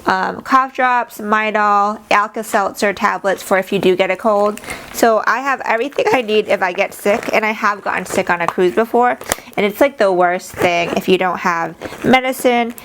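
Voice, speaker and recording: A woman's voice: medium pitch, normal speed, fairly bright tone, slight background noise. A woman giving a casual, chatty show-and-tell as a travel vlogger, explaining things informally to camera.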